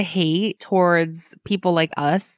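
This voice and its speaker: Her voice sits at a medium pitch with monotone, flat intonation. The recording is very clean, with a silent background and a dry, close sound with no echo. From US, Mexican-American family. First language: Spanish. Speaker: podcast co-host. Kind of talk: scripted narration; casual chat.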